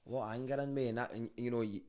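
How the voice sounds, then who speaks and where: A man's voice: medium pitch, fairly even intonation, rapid-fire, a little mellow, clean tone. A man with a Glaswegian street Scottish accent, chatting casually and telling stories in a candid, sweary, conversational way. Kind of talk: casual podcast chat and storytelling.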